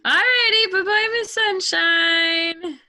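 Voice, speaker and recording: A woman's voice: very high-pitched, slow, sharp tone, soft background music, full character voice. A woman playing an anxious, tactful children's teacher with a polite, strained manner in a comedy sketch. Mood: firm, strained. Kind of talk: comedy sketch staged reading.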